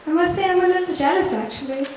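A woman's voice: very high-pitched, fast, background noise. A young woman acting a prying, condescending stranger in a staged dialogue, speaking into a handheld mic on a stage. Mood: patronizing. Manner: breezy, condescending questioning. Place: large wooden-walled hall. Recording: roomy hall sound from a distance.

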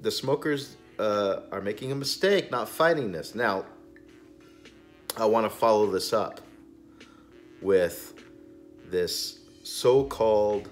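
Indignant deep-voiced man ranting on camera. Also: slow pace, pauses often, soft background music. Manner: emphatic, indignant, gestures broadly with hands. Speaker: cigar review channel host. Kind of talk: opinionated casual vlog rant. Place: small storage room stacked with boxes, indoors.

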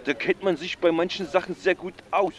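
Actor as a nervous stammering agent on a radio play call, slightly high voice. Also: male voice, fairly even intonation, fairly quick, close to an everyday voice. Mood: flustered. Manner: stammering, constant ums. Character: bumbling male secret agent caller. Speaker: caller.

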